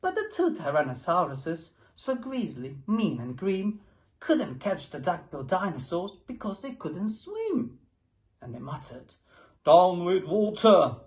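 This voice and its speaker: A woman reads a rhyming picture book aloud in a rhythmic, sing-song way. Her voice moves with a lot of lift and fall, and she takes the verses slowly and deliberately. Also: on the low side, huge pitch swings. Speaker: storybook reader.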